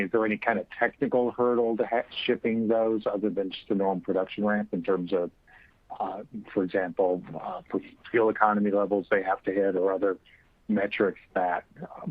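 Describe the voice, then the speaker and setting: Over a narrow, tinny phone line with a dry sound, a low-voiced man speaks as a financial analyst. He puts probing questions in a halting, unscripted way, assembling them as he goes. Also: no room sound. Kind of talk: earnings call questioning, spontaneous. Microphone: phone call.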